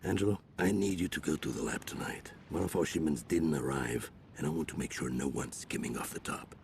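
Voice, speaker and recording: An actor playing a commanding, hot-tempered Hispanic cartel boss in a video game, with a Spanish accent and Spanish mixed in. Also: male voice, extremely low pitch, brisk, creaky, a little mellow, a little hiss or hum. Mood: cold, commanding.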